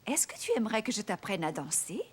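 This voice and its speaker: A woman voicing a kindly, encouraging grandmother in a children's cartoon, affectionate and expressive. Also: mid-range voice, quick pace, background noise, close to an everyday voice. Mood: fond, nostalgic. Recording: music behind the voice.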